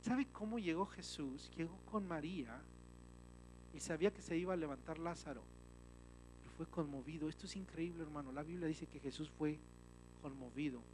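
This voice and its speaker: A male pastor preaching a sermon emphatically, swinging from loud to hushed and often calling listeners "brother". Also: on the high side, normal speed, noisy background. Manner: often addresses listeners as "hermano".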